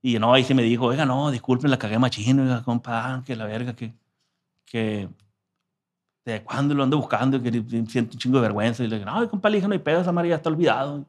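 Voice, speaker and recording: A man's voice: mid-range voice, fast talker. A man from telling a story in a casual interview, slangy and profane. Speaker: musician guest.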